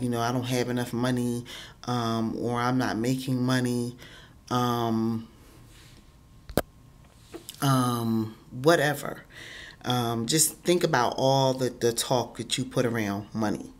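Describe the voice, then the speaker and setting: A woman's voice: extremely low pitch, level tone, a little slow, slight background noise. A woman vlogger talking earnestly into her phone, stuffy-nosed and congested, with lots of ums and repeated words. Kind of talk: casual motivational talk to camera.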